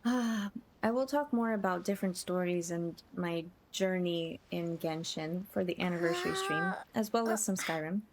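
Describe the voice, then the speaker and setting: A woman hosting a livestream, chatting casually to her viewers in a gentle, appreciative way. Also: on the low side, moderate pace, few pauses, slight background noise. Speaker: livestreamer host.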